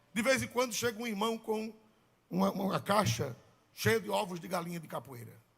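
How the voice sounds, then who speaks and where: Put-on character voice from a man, hoarse and high-pitched for a man, with very wide pitch swings at a moderate pace. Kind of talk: preacher speaking to a congregation.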